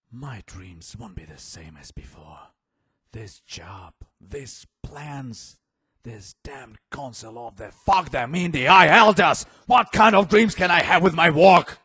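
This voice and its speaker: A man does a cartoonish character voice that is raspy and fairly high-pitched. He delivers it at a fairly slow pace. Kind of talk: adult cartoon comedy. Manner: weary, brooding, melodramatic.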